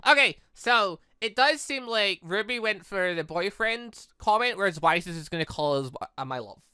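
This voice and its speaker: A gaming video host with a high-sitting, bright, forceful and smooth voice does let's play commentary, reading visual novel dialogue aloud at normal speed. He's animated and rambling, stammering through self-corrections, over music in a clean, echo-free studio recording.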